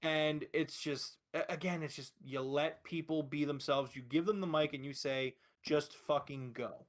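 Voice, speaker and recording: A man's voice: a little high, steady tone, moderate pace. A man hosting a podcast, talking casually and emphatically about wrestling with strong opinions and frequent swearing. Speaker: podcast host.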